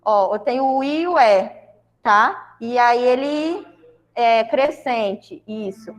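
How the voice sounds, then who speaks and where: A woman's voice: fairly high pitch, slow, long reverb tail. A Brazilian woman teaching a grammar lesson to a class, explaining step by step and often checking in with her students. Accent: Brazilian Portuguese. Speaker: school Portuguese teacher.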